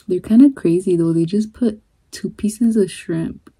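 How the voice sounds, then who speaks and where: A young woman chatting casually to camera in her bedroom during a food vlog, relaxed and unhurried, trailing off with fillers. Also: medium pitch, breathy edge. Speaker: vlogger. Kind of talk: casual mukbang chat.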